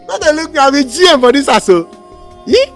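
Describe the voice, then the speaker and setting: Man as hurried Pidgin-speaking gateman, fast, lively, nervous. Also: extremely high pitch, faint music behind, exaggerated voice. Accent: Nigerian Pidgin.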